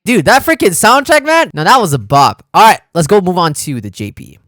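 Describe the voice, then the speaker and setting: Male game reaction host, fairly high voice, very lively intonation, slangy exclamatory delivery. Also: a little fast. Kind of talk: casual reaction commentary on a game. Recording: music behind the voice. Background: game video music.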